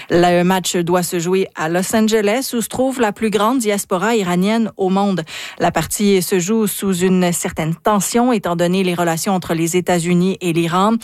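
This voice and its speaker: Woman, radio news anchor, measured delivery, mid pitch, dry close sound. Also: dry recording. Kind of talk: radio newscast reading.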